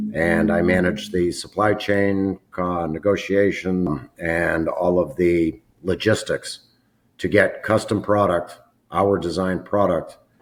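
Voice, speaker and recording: A man speaking very slowly with fairly even intonation on a very clean recording with a silent background. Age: 60s. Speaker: construction business founder. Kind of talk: podcast interview. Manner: hesitant fillers.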